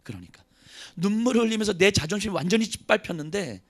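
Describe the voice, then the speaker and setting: A man pastor preaching an emotional sermon at a church service, swinging between loud pleading and hushed, near-whispered lines. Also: sits high, sing-song, fairly quick, vocal fry.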